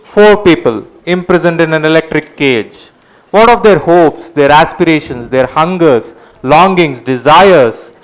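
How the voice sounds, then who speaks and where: Guy playing paranoid doom-and-gloom philosopher in a stage comedy, pompous, kinda high voice. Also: animated, a little slow, poor audio. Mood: doom-laden. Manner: pompous, portentous. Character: gloomy, paranoid philosophizing man stuck in a lift. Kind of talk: staged reading of a comic play. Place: live stage at a literature festival.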